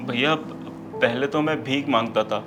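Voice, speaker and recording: A man's voice: mid-range voice, measured pace, close to an everyday voice. Guy acting as a poor beggar begging for a job, humble voice, guitar music behind. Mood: pleading. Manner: humble, pleading. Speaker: actor in a short web drama. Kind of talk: web drama acting.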